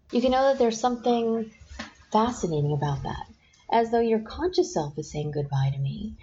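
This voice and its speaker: A woman guiding a hypnosis session, speaking in slow, soft, repetitive suggestions. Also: mid-range voice. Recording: dull lo-fi sound with faint noise.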